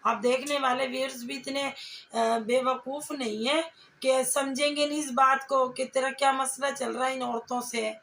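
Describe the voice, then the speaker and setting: In an echoey room with faint noise behind her, a female reaction vlogger speaks in a high, steady, fairly bright voice at normal speed. Her commentary is confrontational, taunting and scolding through sharp rhetorical questions.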